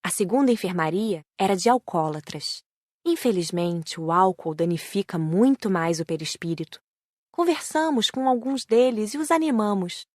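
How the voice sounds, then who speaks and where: A Brazilian-accented woman reading scripted audiobook narration in measured, clearly phrased sentences. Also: mid-range voice, darkish tone, dry recording, clean studio sound.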